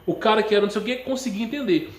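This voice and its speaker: A man with a Brazilian Portuguese accent hosts a channel and answers viewer questions in a casual, rambling way, often stopping to check with a quick "tá?". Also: high voice, reverberant. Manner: rambling, restarts words, ends phrases with a checking "tá?". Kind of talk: casual religious talk.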